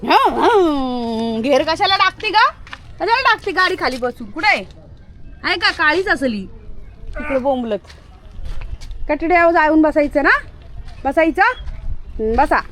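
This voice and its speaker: A woman's voice: high-pitched, lively intonation, moderate pace, pauses often, fairly bright tone. A woman, talking to her pet dog outdoors in a coaxing, repetitive, sing-song way. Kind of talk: casual coaxing talk to a dog.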